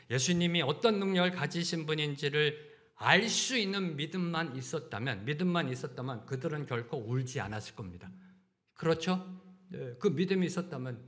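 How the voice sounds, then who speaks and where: In a church sanctuary, a middle-aged male pastor with a slightly high voice preaches a sermon packed with rhetorical questions and repeated phrases. He swings between loud emphasis and quiet asides.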